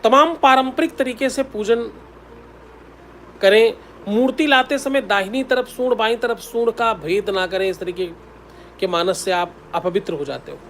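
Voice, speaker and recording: Higher-voiced man giving devotional instructions. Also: normal speed, a bit bright, a little hiss or hum. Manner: instructive, repeats key steps, intones mantras. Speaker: spiritual teacher giving astrology remedies. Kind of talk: devotional advice talk.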